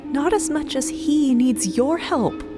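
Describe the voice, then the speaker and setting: A woman playing an anxious, conscientious young woman in an audio drama, speaking in halting, emphatic, pleading bursts. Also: sits high, music in the background. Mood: firm challenge. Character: anxious, conscientious young woman, a people-pleaser finding nerve.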